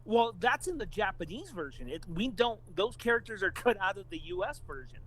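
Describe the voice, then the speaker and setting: A man with a high-pitched voice chats as a podcast co-host. He speaks casually and informally, with offhand swearing, in a conversational gaming-talk style. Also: very animated, fairly quick, fairly bright tone, poor audio.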